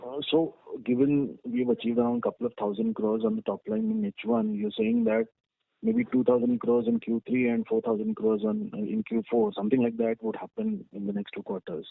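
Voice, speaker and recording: A man's voice: high voice, a little fast, gravelly, no echo. A man with an Indian accent putting questions as an investment analyst on an earnings call over a phone line. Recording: tinny narrowband phone line.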